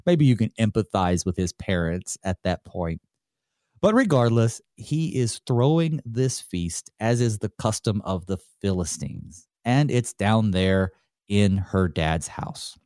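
A man leads a Bible study on his own, speaking as a pastor in a loose, conversational way. His voice sits a little low and warm, and it rises and falls with animation as he muses aloud and chuckles. The sound is close and dry. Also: expressive, a little slow, no echo. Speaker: pastor and host. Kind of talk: solo Bible study teaching.

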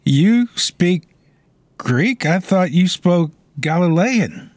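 Give me a male radio host, a bit high-pitched, wary and joking, on a dry studio mic. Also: expressive, extremely slow, darkish tone, no room sound. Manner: wary, playfully reluctant. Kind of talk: scripted radio sketch.

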